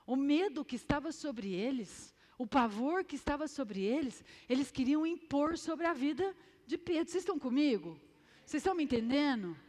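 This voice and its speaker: A Brazilian woman preaching a lively youth sermon in a church hall, acting out scenes and quizzing the crowd. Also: sits high, normal speed. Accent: Brazilian Portuguese.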